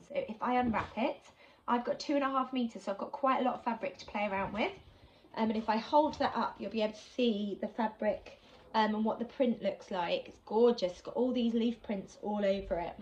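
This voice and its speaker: A woman with a slight cold chats casually and enthusiastically while unboxing sewing supplies for her sewing channel, saying "um" a lot. Her voice is on the high side, fairly quick and a little mellow, on dull audio with a little hiss or hum.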